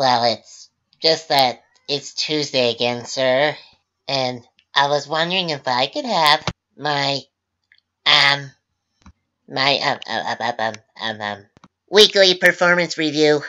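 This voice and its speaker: A man puts on a character voice at a fairly high pitch. He goes at a fairly slow pace, with long, frequent pauses. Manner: stammering, pleading.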